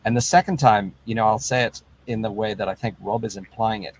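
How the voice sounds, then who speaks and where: A man on an investor panel, speaking in a measured, advice-giving way over a video call. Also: on the low side, steady tone, breathy edge, rough recording. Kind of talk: panel discussion.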